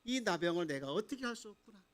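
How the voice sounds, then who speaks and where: Pastor acting out a proud, grumbling army commander. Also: male voice, high-pitched, expressive, quick pace. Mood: despairing. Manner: grumbling, then humbled. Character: proud, hot-tempered male army commander. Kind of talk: acted quote within a sermon.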